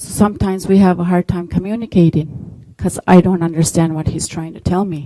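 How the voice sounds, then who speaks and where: At a moderate pace, a woman with a Maritime Canadian accent speaks in a fairly low pitch with fairly even intonation. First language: Mi'kmaq. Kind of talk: panel discussion. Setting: conference panel with audience. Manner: halting.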